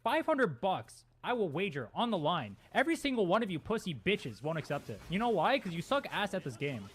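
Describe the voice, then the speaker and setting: A man's voice: sits high, very animated, brisk, breathy edge. A man streamer in an angry, profane rant, taunting and challenging his critics.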